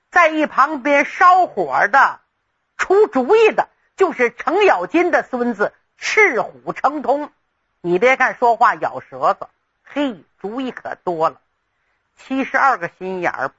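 Woman storyteller, traditional tale, dramatic, fairly high pitch, wide swings. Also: breathy edge, no room sound. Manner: dramatic, animated delivery. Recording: muffled lo-fi recording.

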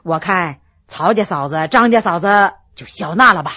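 A woman voicing a tactful male official who smooths things over in a courteous, soothing way, pitched low and husky. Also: animated, moderate pace, pushed and bright.

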